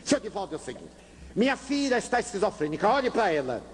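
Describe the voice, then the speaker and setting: Pushy, pleading father played by an older man, raised pitch, lively, insistent; hall reverb, faint hiss. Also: fast. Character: impatient pushy middle-aged father, man of 48.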